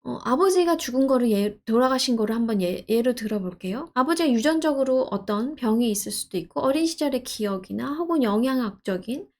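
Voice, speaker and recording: A woman giving gentle, soothing advice, speaking softly and letting her phrases trail off quietly. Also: a little high, expressive, brisk, hardly any pauses. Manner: gentle, soothing, acts out inner speech in quotes. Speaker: counselor answering a viewer's question. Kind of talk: advice talk to camera.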